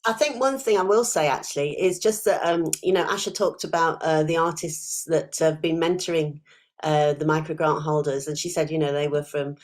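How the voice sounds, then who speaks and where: Low-voiced woman explaining informally. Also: steady tone, moderate pace. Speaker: arts organisation representative. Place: online video call.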